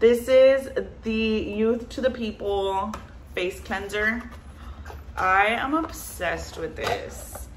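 Over light background noise, a woman speaks at a very slow pace with long, frequent pauses. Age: 30s. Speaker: lifestyle vlogger. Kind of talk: casual haul vlog. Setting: home. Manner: animated. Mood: relaxed, chatty. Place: home room. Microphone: phone near.

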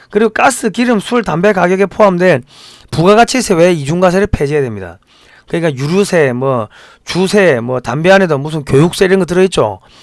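This man talks at a fairly quick pace in a high pitch, his tone animated and his intonation lively. The recording is very clean, with a silent background. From Busan, South Korea. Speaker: political commentary YouTuber. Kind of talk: political commentary monologue.

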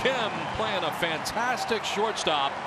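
Over loud background noise, the voice comes at a fairly slow pace with a dry sound and no echo. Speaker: baseball play-by-play announcer. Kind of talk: live sports commentary, calling each pitch as it happens.

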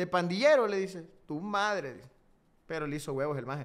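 A man talks very fast with lively intonation. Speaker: streamer reacting to his old video. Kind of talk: casual stream commentary. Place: home room.

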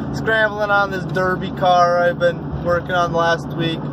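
Loud background noise surrounds a man speaking at a moderate pace. The sound is dry, with no echo. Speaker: hobby vlogger. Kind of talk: casual vlog chat. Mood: relaxed, briefly startled. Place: car. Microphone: phone near.

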